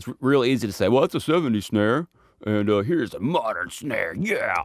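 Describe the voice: A man's put-on character voice, drawling at a medium pitch and moderate pace, with very wide pitch swings.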